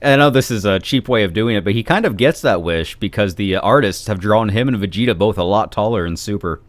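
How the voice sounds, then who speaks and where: A man with a slightly low voice, recorded very dry, chats as a podcast guest. He lays out his speculation in an easy, explanatory, conversational way. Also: brisk, no echo. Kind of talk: casual chat, speculative fan discussion.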